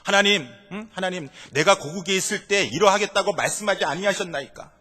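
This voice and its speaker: A man's voice: high-pitched, fairly quick, pushed and bright, voice pushed up. A male pastor acting out an indignant prophet who protests to God in a nagging, pleading way, in a church hall. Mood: protesting.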